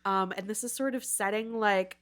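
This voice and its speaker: A woman's voice: mid-range voice, moderate pace, a bit bright. A woman hosting a podcast in casual, slangy chat, dropping "like" often. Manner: informal, slangy, peppered with "like". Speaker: podcast host.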